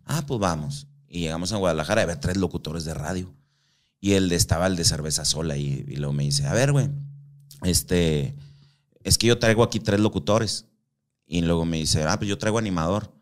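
Low-pitched and brisk, the Mexican guest tells stories casually, peppering them with slang and profanity. When he quotes someone, he acts out their voice.

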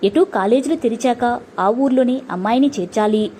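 A woman's voice: on the high side, moderate pace, warm tone, a little hiss or hum, lightly acted. A woman voicing a middle-aged landowner father in a storybook, asking direct, puzzled questions.

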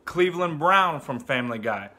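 A man's voice: on the high side, lively intonation, normal speed, bright, forceful tone. A man casually presenting his voice acting demo reel. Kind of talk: casual spoken introduction.

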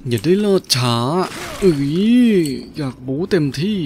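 A man's voice: fairly high pitch, sing-song, unhurried, a little mellow, a little hiss or hum. A man doing gameplay commentary, full of exclamations and interjections as he reacts to play. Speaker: video game streamer. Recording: game music behind the voice. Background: video game music and effects.

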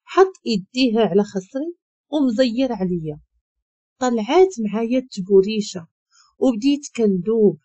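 A woman's voice: fairly high pitch, expressive, normal speed, dark tone, slightly rough, no room sound. A woman with a Moroccan accent reading a first-person dramatic story in an earnest, dramatic way.

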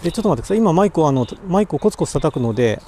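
A man with a dark, mellow voice talks casually to livestream viewers, half to himself while fixing his audio setup. He speaks into a voice recorder mic outdoors. Faint outdoor noise sits under his voice. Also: fairly high pitch, sing-song, rapid-fire. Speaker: cycling livestreamer.

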